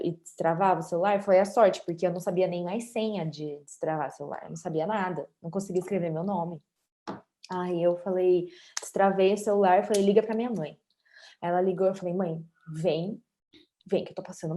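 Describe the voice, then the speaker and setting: Brazilian woman, late 20s, interview guest; warm, mellow voice, candid chatty storytelling. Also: medium pitch. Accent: Brazilian Portuguese. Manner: candid, conversational, often adds tag questions.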